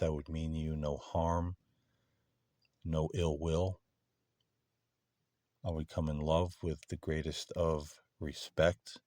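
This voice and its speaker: A man speaking earnestly and deliberately in formal phrases, hosting a paranormal session as he solemnly addresses unseen beings. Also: a bass voice, a little mellow, dry recording. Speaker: host of paranormal contact sessions.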